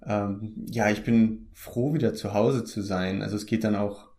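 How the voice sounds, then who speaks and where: Easygoing young German actor, low voice. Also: male voice, fairly even intonation, unhurried, darkish tone. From Germany, Palatinate. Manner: hesitant, many fillers and restarts, easygoing. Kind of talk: casual interview chat.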